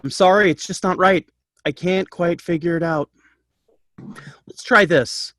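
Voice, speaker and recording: Casting: man as fussy, exasperated music teacher, somewhat high voice, close dry sound, table read. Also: measured pace, fairly bright tone, no room sound. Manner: clipped, exasperated. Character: anxious, exasperated short balding high school band conductor. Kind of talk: amateur screenplay table read. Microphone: virtual table read over video call.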